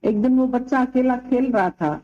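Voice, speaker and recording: A woman spiritual teacher telling a story at a devotional gathering, in an unhurried, folksy way with quoted dialogue. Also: fairly high pitch, dull audio. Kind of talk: storytelling discourse at a satsang.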